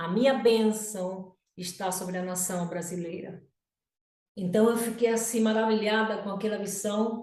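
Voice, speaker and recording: With fairly even intonation and a medium pitch, a woman talks at a fairly slow pace. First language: Spanish (speaking Portuguese). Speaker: missionary. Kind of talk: religious testimony of a vision. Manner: halting, frequent repetitions and fillers.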